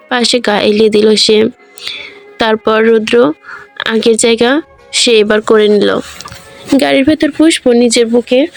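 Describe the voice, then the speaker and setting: A woman reading a romantic story aloud in a measured, dramatic way. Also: a little high, creaky. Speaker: story narrator. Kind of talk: scripted audiobook narration. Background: soft background music.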